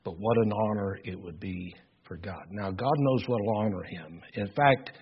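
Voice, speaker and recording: An older male preacher with a loud, husky voice delivers an earnest sermon. He presses his points with emphatic repetition. The recording sounds dull and lo-fi. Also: lowish voice, normal speed. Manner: earnest, emphatic, repeats words while building points.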